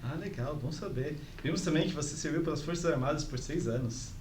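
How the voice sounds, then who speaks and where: Male podcast co-host, São Paulo accent, voice a bit high, casual, roomy and off-mic. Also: brisk, darkish tone. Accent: São Paulo Brazilian. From São Paulo, Brazil. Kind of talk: casual interview chat. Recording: roomy, distant mic, background noise.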